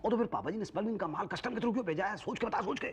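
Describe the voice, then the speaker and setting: An actor playing a cocky, scheming man who talks loud and bossy. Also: sits high, rapid-fire, crowd noise, lightly acted. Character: cocky scheming middle-aged man, know-it-all. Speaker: bumbling Punjabi sidekick in a sitcom. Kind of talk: sitcom acting. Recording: dull noisy old TV audio.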